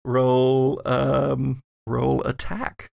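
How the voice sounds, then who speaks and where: A man's voice: mid-range voice, completely flat delivery, very slow, vocal fry, a little mellow, dry recording, clean studio sound. A man running a horror tabletop game, narrating the scene and calling for rolls as game master.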